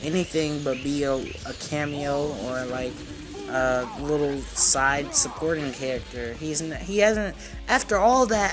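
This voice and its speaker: A man giving casual, rambling and opinionated commentary on a video game as he plays. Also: a little high. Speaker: gaming video host. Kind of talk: casual let's play commentary. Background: game music.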